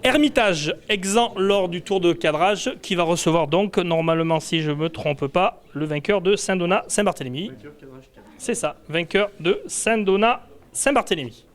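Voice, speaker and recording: A man's voice: sits high, moderate pace. A man presenting a cup draw in a casual, chatty way, with frequent fillers and hesitations. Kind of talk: casual live announcing.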